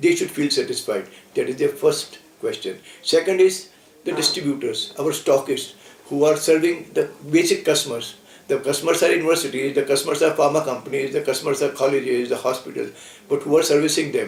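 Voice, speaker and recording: Noticeable background noise sits behind this recording. A man talks at a fairly quick pace. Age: 80s+. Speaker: company managing director. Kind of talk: interview. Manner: hesitant with fillers.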